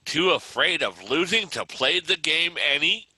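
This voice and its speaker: A man playing a pompous mock sportscaster in a table read, with a deliberate, grandiose announcer delivery. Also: a little high, very animated, pushed and bright, slightly rough, no room sound, exaggerated voice. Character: pompous young male rival, slow mock sportscaster. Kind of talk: virtual table read acting.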